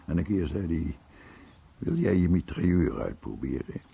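A man with a gravelly voice reading scripted documentary narration and translated voice-over. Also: deep voice, very animated, normal speed, mellow. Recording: dull, muffled broadcast recording.

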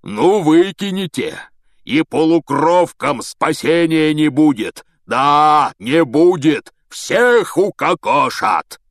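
A man voicing a huge, hot-tempered shaggy gamekeeper with a hoarse, bellowing voice. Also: on the high side, lively intonation, slow, no room sound, studio quality, voice pushed up. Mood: raging. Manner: roaring, bellowing.

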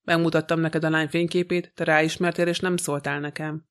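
A man voicing a shrewd, calm older male detective in an audiobook, gently teasing. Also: fairly high pitch, clear, resonant tone.

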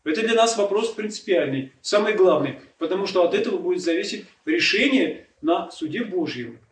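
A man's voice: sits high, expressive, a little fast. A man preaching a sermon, explaining earnestly and asking rhetorical questions. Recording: echoey room, distant mic, faint noise.

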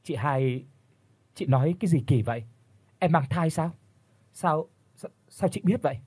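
A man's voice: on the high side, expressive, normal speed, darkish tone, breathy edge, dry recording. A man voicing a shy young village wife who hesitates and stammers. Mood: startled.

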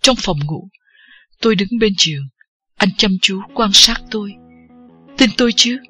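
An audiobook narrator reading a first-person novel at a steady, unhurried pace. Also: mid-range voice, breathy edge, soft background music.

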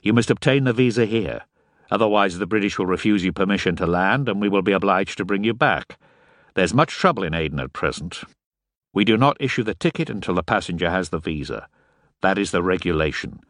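A man's voice: deep voice, expressive, a little fast, fairly bright tone, no room sound, studio quality. A man doing a stiff, formal shipping clerk. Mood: officious. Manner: formal, rule-bound. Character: officious male shipping office clerk.

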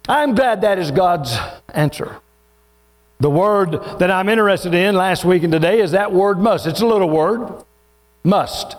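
A man's voice: high voice, a little slow. A man preaching a sermon as pastor, folksy and joking, drawing out the scripture.

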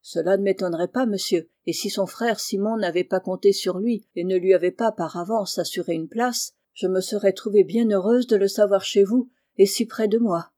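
A woman voicing a poor, tender-hearted peasant mother in an audiobook, speaking softly and humbly. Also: mid-range voice, moderate pace, hardly any pauses, close to an everyday voice. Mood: humble. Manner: soft, humble and emotional. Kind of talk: audiobook character reading.

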